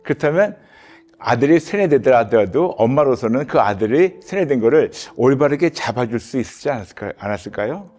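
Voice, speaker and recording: A middle-aged man, a pastor hosting a counseling interview, asking probing questions on a dark studio set. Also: mid-range voice, animated, fairly quick, soft background music. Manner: probing, with frequent short acknowledgments. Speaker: pastor and host.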